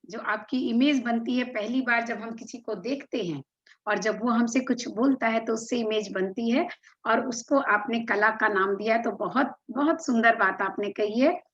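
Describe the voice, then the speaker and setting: A woman's voice: a little high, measured pace, fairly bright tone. A woman hosting a discussion who praises her guest's point and then poses the next question. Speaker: host. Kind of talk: interview questions. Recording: dull, muffled sound.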